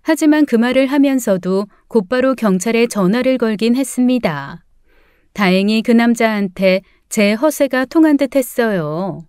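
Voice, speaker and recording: A woman narrating a first-person audiobook story in a steady, calm way. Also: fairly high pitch, normal speed, clean tone, no room sound, clean studio sound.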